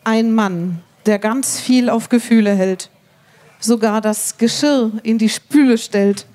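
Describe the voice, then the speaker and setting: A woman from Cologne co-presenting a limerick reading, making brisk remarks and reading verses aloud. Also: fairly high pitch, warm tone. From Cologne, Germany.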